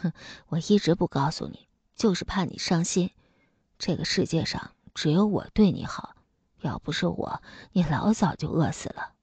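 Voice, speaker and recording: A woman voicing a spiteful, sick old father in an audiobook, who sneers and gloats in a low, half-whispered voice. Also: lively intonation, normal speed, darkish tone, slightly rough, dry recording, exaggerated voice. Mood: gloating scorn. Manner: mocking and gloating. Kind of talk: audiobook character voice.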